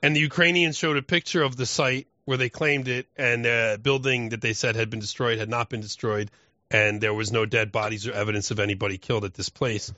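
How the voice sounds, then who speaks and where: A man's voice: medium pitch, steady tone, fairly quick, sharp tone, no room sound. A man co-hosting a podcast in casual chat, blunt and profane. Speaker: podcast co-host. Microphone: close podcast microphone, often spoken into off-axis. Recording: dull close-miked podcast audio.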